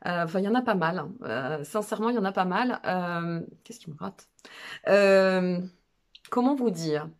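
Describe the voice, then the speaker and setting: A woman's voice: on the low side, animated, normal speed. Chatty woman with a Burgundian French accent. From Burgundy, France. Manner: self-interrupting, digressive, self-mocking; emphatic repetition to drive points home. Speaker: online guidance reader and channel host. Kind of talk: casual, chatty monologue to viewers.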